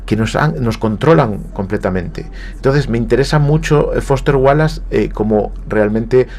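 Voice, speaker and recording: A man's voice: medium pitch, normal speed, a little mellow, a little hiss or hum. A man from Galicia with a Spanish accent, speaking reflectively as a guest on a radio interview, often hesitating and repeating words. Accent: Spanish, from Spain. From Galicia, Spain. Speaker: guest writer. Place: radio studio.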